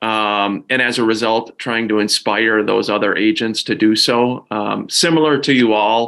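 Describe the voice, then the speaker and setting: A bright, sharp voice moves at a moderate pace with hardly any pauses and fairly even intonation on a very clean recording with a silent background. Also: man, medium pitch for a man. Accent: Minnesotan. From Minnesota. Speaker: real estate team leader. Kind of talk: panel discussion.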